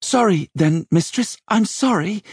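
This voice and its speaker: A man's voice: high-pitched, expressive, a little slow, husky, dry recording, clean studio sound, pitched above the performer's own voice, full character voice. A man voicing a gangly, sulky fourteen-year-old boy, defensive and awkward, in a storybook reading. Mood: sheepish. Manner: muttering, defensive. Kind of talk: audiobook character voice.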